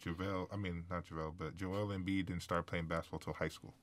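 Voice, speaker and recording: A man's voice: low voice, fairly even intonation, normal speed, fairly bright tone. A man and professional basketball player chatting easily in a radio booth, laid-back and giving advice with examples. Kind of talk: casual chat in English.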